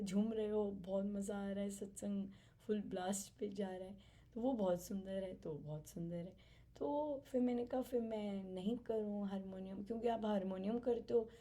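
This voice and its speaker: A woman shares reflections from her spiritual practice in a quiet, unhurried way, pausing often and searching for words. Her voice is mellow and dark with a noticeable gravelly texture, and she speaks at a very relaxed pace. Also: mid-range voice. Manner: soft-spoken, reflective, halting with fillers and light laughs. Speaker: satsang participant sharing experience. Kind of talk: spiritual sharing in a family gathering.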